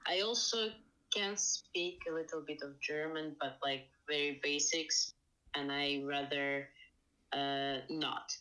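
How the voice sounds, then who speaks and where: A woman's voice: deep voice, fairly even intonation, slow pace, bright, forceful tone, rough recording. A woman with a Russian accent, speaking English as a third language as a podcast guest, hesitant and full of fillers. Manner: hesitant, many fillers and restarts. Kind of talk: casual interview talk. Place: Estonia.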